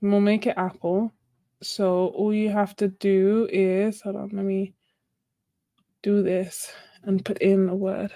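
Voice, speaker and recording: Speaking at a very slow pace with long, frequent pauses, a woman uses a medium pitch, a dark, mellow tone and monotone, flat intonation. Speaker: watercolor artist streamer. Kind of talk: live stream chat. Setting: live stream with screen share. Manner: casual, chatty.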